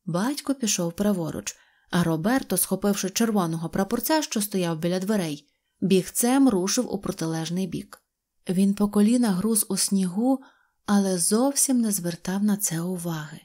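A woman reading an audio fairy tale in an expressive storytelling manner. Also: mid-range voice, normal speed. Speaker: narrator.

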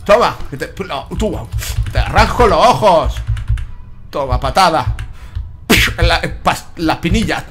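Boisterous high-voiced gamer. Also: male voice, animated, measured pace, pauses often, a bit bright, soft background music. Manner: boisterous, joking, exclaims sound effects. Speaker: gaming YouTuber. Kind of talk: excited gameplay commentary.

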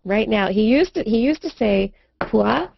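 A woman in her thirties, hoarse from a cold, co-hosting a live science webcast from home and chatting casually, often restarting her sentences. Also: on the high side, animated, unhurried, a little hiss or hum. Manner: chatty, trails off and restarts mid-thought. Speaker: science show co-host. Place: small room at home, indoors. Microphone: desk studio mic, video call. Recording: dull lo-fi webcast audio.

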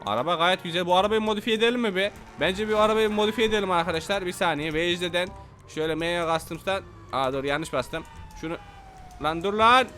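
A young man giving rowdy, excited commentary over a game, trash-talking and repeating himself. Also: high voice, fast talker, faint music behind. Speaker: gameplay commentator. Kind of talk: excited let's-play commentary.

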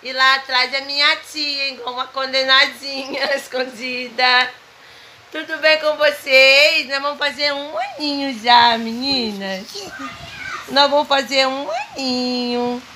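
A woman's voice: high voice, steady tone, unhurried, bright, forceful tone, pitched above the performer's own voice. Baby twin girls cooing hello in a raised sweet voice, as a woman voices them, noisy home video sound. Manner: cooing baby-talk voice for infants.

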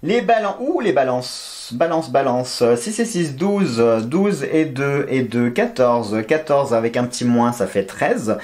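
A man's voice: mid-range voice, big pitch swings, measured pace, hardly any pauses, darkish tone. A man giving a casual weekly horoscope reading, joking around and counting scores aloud. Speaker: astrology and tarot reader.

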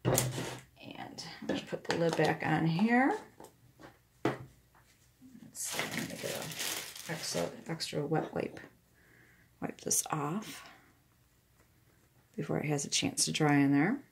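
A woman's voice: deep voice, expressive, takes it slowly, gravelly, pauses often, background noise. A woman giving a casual hands-on craft demonstration, talking herself through each step. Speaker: craft tutorial host, independent product demonstrator. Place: indoors at a wooden craft table.

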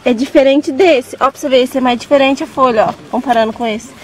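A woman's voice: sits high, fast, darkish tone, rough recording. Young woman, Brazilian accent, casual farm vlog, chatty, points things out, faint outdoor noise. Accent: Brazilian Portuguese. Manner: chatty, addresses viewers often, points things out. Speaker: vlogger. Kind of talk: casual vlog chat to viewers. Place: outdoors in a vegetable garden on a farm.

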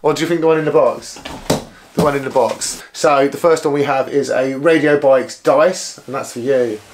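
A hoarse man in his thirties chatting casually to camera about bikes in a small living room. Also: mid-range voice, moderate pace, slight background noise. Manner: chatty, upbeat, full of filler "like"s. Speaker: bike vlogger. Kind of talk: casual vlog chat to camera. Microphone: camera close up.

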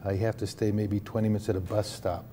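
Earnest older pastor, mellow low voice. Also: male voice, flat delivery, fast, slight background noise. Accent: Midwestern American. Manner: earnest, repeats words as he restarts. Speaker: homeless mission pastor. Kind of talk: live TV studio interview. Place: TV news studio desk.

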